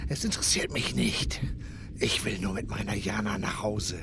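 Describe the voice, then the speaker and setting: An actor playing a menacing, obsessive kidnapper with a sneering, drawn-out delivery in a crime audio drama. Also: male voice, lowish voice, creaky. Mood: taunting menace. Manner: sneering, drawn-out, swinging into whispers. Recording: noisy train ambience behind voice.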